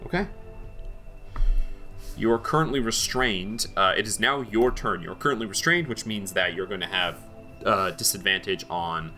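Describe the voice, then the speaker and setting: Very deep-voiced bright male game master. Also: moderate pace, faint music behind. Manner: loose descriptive narration full of fillers. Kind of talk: narrating a tabletop game.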